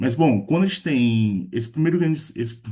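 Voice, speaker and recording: Somewhat breathy and dark, mellow in tone, a man speaks with audible room echo. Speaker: academic researcher presenting a paper. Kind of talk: conference presentation.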